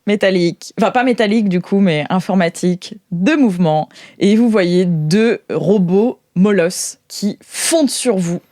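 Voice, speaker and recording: A woman with a French accent improvising narration as game master of a sci-fi tabletop game, informal and descriptive, halting as she searches for words. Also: mid-range voice, warm tone, no echo, studio quality.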